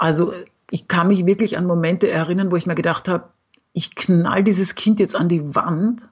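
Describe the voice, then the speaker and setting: A woman with a somewhat breathy, fairly low voice speaks at a moderate pace, her intonation fairly even while her loudness swings widely. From Austria, Vienna. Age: 40s. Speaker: psychological counsellor. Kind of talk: interview.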